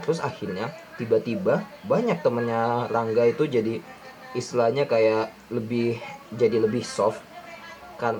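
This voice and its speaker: A man's voice: medium pitch, darkish tone, slight background noise, low-quality recording. A young man giving a casual film breakdown, rambling with many restarts and slangy fillers. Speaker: film review YouTuber.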